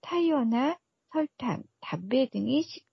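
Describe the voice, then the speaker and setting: Gravelly, husky female expert on radio. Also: high-pitched, lively intonation, measured pace, no echo, lo-fi sound. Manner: formal, explanatory. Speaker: research fellow, expert guest. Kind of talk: prepared analytical radio commentary.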